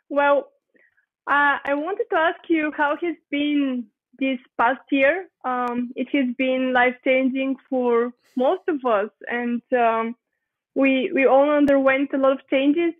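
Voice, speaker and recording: High-voiced woman host over a tinny call. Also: slow pace. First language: Bulgarian. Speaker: podcast host. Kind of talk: interview questions. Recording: tinny phone-like call audio.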